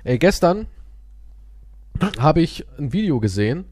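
Man, podcast host, casual banter, very animated pitch, dry sound, sarcastic, theatrical storyteller. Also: a little slow, no echo. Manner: sarcastic teasing.

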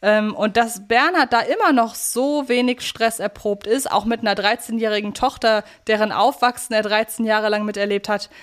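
A woman's voice: on the high side, normal speed, few pauses. A woman co-hosting a podcast, chatting casually as she discusses an audio drama series. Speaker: podcast co-host.

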